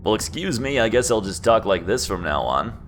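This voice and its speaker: A man's voice: lowish voice, very animated, a little fast, a little hiss or hum. A man mockingly putting on a pompous, grand radio-announcer voice while playing a game. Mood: mock-grand. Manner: exaggerated grandiose delivery.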